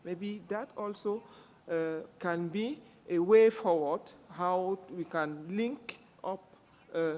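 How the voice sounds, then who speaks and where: A woman from Cameroon speaking up as a panelist. She pauses often, restarts and fills gaps with "uh". Her voice carries a long reverb, as if recorded in a large room. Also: fairly low pitch, darkish tone. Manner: hesitant, many fillers and restarts. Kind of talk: panel discussion remarks.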